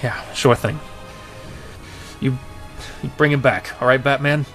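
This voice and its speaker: An actor playing a gruff, loyal police detective in a radio drama, informal and blunt. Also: male voice, mid-range voice, steady tone, a little slow, a bit bright, faint music behind, natural voice. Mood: concerned.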